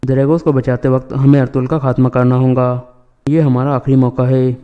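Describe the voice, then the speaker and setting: A man reading the lines of a scheming, treacherous male tribal lord in a flat, even voice. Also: mid-range voice, clean tone, dull audio, close to an everyday voice.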